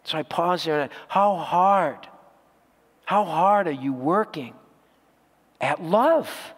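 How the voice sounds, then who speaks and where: A man's voice: on the high side, expressive, slow pace, breathy edge, long reverb tail. A man preaching a sermon as pastor, earnest and direct, putting rhetorical questions to his congregation.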